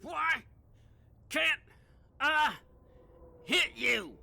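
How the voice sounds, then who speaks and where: A vicious, petulant male vampire voiced by a woman in an audio drama. The voice is sharp and forceful and swings widely in pitch, full of explosive, indignant cursing. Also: lively intonation, very slow, vocal fry, heavily acted. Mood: baffled outrage. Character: hot-tempered, foul-mouthed male vampire, vicious and petulant. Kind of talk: audio drama comedy acting.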